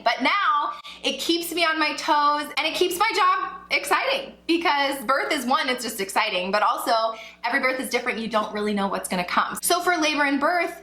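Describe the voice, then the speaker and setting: A woman's voice: fairly high pitch, pushed and bright. A woman in her thirties who grew up in Ecuador, a birth coach explaining her motto in a chatty, upbeat vlog. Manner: chatty and upbeat, many likes and slashes. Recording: echoey room.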